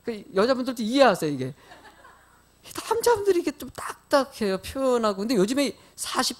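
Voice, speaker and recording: Delivering a sermon in a high voice, a middle-aged pastor questions his congregation directly. He weaves in homespun stories with a light touch of humor.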